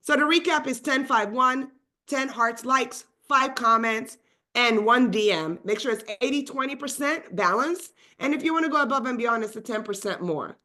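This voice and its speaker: A woman coach talks quickly and with lots of energy, her voice bright and forceful and pitched a little high. Swedish is her first language. She runs a live online session over a video call mic, piling on asides as she goes. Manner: fast, energetic, chatty, many asides. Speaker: real estate trainer.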